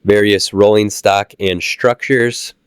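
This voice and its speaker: While getting over a cold, a Midwestern American channel host casually narrates his walk through a model train show, relaxed but halting with lots of "uh" fillers. His voice is fairly low with a clean tone. The recording is dry, with clean studio sound.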